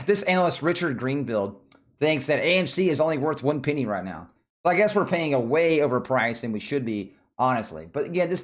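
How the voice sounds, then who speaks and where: Casual man giving stock commentary. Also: medium pitch. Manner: informal, colloquial, opinionated. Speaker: stock video host.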